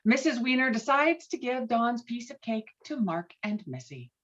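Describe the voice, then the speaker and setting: A woman's voice: fairly high pitch, sing-song, normal speed, dull audio. A woman reading screenplay stage directions as scripted narration in a virtual table read.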